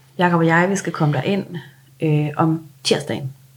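Over noticeable background noise, a woman with a fairly low pitch speaks at a very slow pace. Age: 20s. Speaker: bereaved parent. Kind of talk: testimony.

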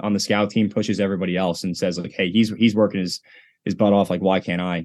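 A man's plain, everyday voice at a fairly low pitch, with ordinary pitch variation and a quiet background. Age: 20s. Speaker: college lacrosse goalie. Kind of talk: casual interview.

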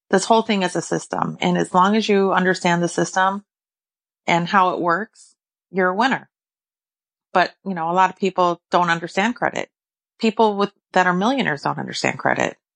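A woman with an American accent talks at medium pitch and a fairly quick pace, her intonation fairly even. She leaves long, frequent pauses, and the sound is dry and close with no echo against a quiet background. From Southern California. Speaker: credit repair specialist. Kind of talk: casual interview.

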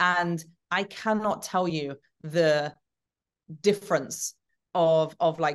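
A fairly low-pitched woman with a London accent at a fairly slow pace, against a quiet background. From England, London. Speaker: podcast guest. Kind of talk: casual chat.

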